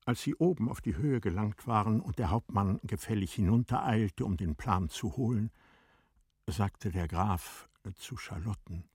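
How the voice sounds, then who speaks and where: A man narrating a literary radio play from a script, in measured, formal storytelling. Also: on the low side, animated, darkish tone, slightly rough, no echo, studio quality.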